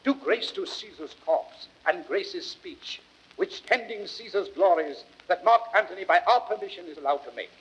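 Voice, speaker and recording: An actor playing a proud, earnest Roman statesman, declaiming deliberately in classical Shakespearean radio-drama style. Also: high-pitched, lively intonation, a bit bright, slight background noise. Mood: earnest entreaty. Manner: declamatory, deliberate, rhetorical delivery. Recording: dull vintage record sound.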